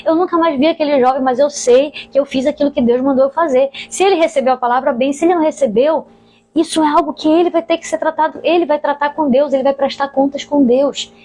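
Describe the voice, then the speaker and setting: A woman's voice: high voice, steady tone, fast, warm tone. A woman pastor with a Brazilian Portuguese accent, sharing an earnest preaching testimony and speaking directly to her listeners.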